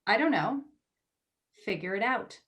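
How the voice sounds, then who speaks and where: A woman's voice: mid-range voice, lively intonation, measured pace, a bit bright. A woman acting in a play reading as a blunt, wry magazine editor who is a loyal, teasing friend. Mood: irritated, bossy.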